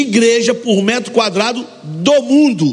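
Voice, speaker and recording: With noticeable background noise and audible room echo, a man speaks at a fairly slow pace. His pitch is extremely high. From Brazil, Rio de Janeiro. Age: 50s. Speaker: missionary. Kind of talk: sermon. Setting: church.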